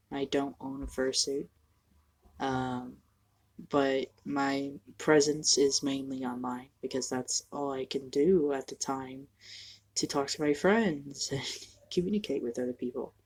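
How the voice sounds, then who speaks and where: A young trans man talking candidly to the camera in a casual home vlog, halting and self-deprecating, sniffly from allergies. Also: mid-range voice, a little mellow. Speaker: vlogger. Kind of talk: casual personal vlog monologue.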